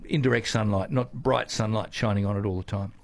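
An older man answers gardening questions on a talkback radio show. He speaks haltingly, pausing on fillers. The recording comes from a radio studio. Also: on the low side, steady tone. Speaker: gardening expert. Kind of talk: casual radio chat.

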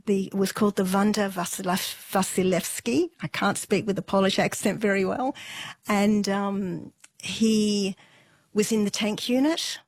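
A middle-aged woman speaks unhurriedly to an interviewer, pausing on fillers and laughing softly now and then. Her voice sits at an ordinary pitch, close to the mic in a dry room with no echo. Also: steady tone. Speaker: interview guest. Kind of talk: relaxed storytelling interview.

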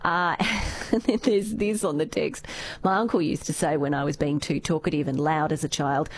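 A woman's voice: sits low, steady tone, moderate pace, a little hiss or hum. A middle-aged woman with an Australian accent hosting a radio show, chatting casually and laughing easily with callers and guests. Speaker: radio host.

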